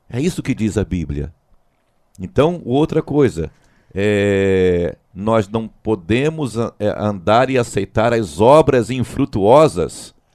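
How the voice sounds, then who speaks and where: Very slowly, a man speaks at a medium pitch with lively intonation. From Rio de Janeiro, Brazil. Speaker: pastor. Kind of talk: sermon-like teaching in a chat. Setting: radio studio, streamed on YouTube.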